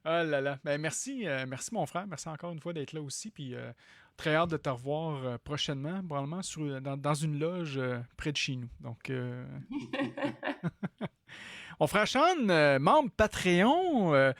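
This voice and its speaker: Québécois male host, fairly high pitch, dry close sound, rambling and hesitant. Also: very animated, unhurried, a bit bright, no echo. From Quebec. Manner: hesitant, many fillers and restarts. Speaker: podcast host. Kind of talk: casual podcast chat.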